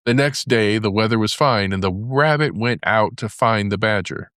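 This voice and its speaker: A man narrating a fairy tale as a storybook, in a measured storytelling manner. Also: fairly low pitch, a bit bright, no room sound, clean studio sound. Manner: measured storytelling with character voices for dialogue.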